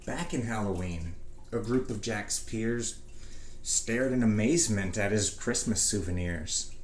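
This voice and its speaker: Slow-paced man reading in an echoey room. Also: fairly low pitch. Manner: measured, theatrical phrasing with pauses. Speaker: storybook reader. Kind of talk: dramatic reading of a rhyming storybook. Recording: echoey room, faint background noise.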